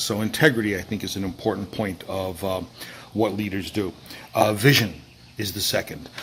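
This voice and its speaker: Over noticeable background noise, a man talks at a very fast pace. His pitch is fairly low. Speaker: motivational speaker and coach. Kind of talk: motivational talk to camera. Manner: hesitant with many fillers.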